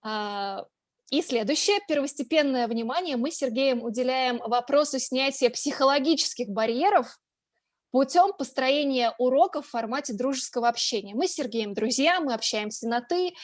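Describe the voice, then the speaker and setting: A woman's voice: high voice, moderate pace, no echo, clean studio sound. A woman from Russia, a blogger and journalist, giving a conference presentation in a chatty way, with frequent filler sounds and restarts.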